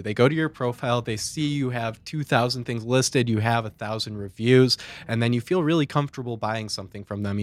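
Man, casual co-host, relaxed slangy talk, dry close mic. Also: medium pitch, no echo. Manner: casual, relaxed, says "bro". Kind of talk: casual chat.

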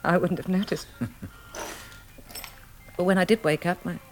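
On an old radio recording with faint noise, a woman with a lowish, everyday-sounding voice and measured pace performs in a 1960s drama. Her character is a polite, well-bred young Englishwoman, shaken and hesitant, restarting breathlessly.

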